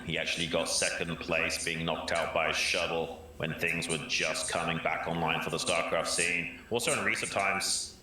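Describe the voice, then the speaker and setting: Male color caster, deep and forceful, detailed strategy talk, roomy broadcast audio. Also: slight background noise. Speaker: esports commentator. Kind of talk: analytical commentary.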